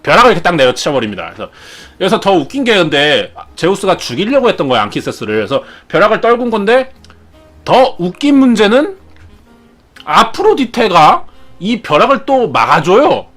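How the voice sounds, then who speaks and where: A man's voice: high voice, huge pitch swings, brisk, fairly bright tone, faint music behind. A man retelling myths in a chatty, jokey, casual way as a show host. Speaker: storyteller host. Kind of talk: casual storytelling.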